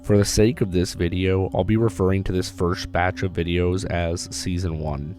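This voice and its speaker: A man with a hoarse voice, recovering from illness, narrating a casual, blunt video commentary. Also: sits low, little pitch movement, normal speed, darkish tone. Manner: casual, blunt, mildly profane. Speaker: YouTube commentator. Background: background music.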